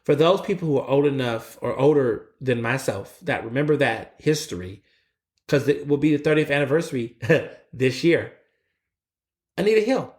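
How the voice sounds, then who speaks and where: A man's voice: medium pitch, moderate pace. A man in his twenties hosting a solo opinion podcast, blunt and sassy, often restarting his sentences, tired after a long late night. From United States. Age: 20s. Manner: animated, sassy and blunt, with frequent restarts and stammers. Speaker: podcast host.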